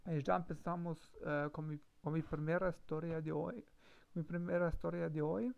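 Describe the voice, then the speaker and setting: Man, language learner, live-streamed practice, halting, many self-corrections, gravelly voice, dull lo-fi sound. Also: on the high side, fairly even intonation.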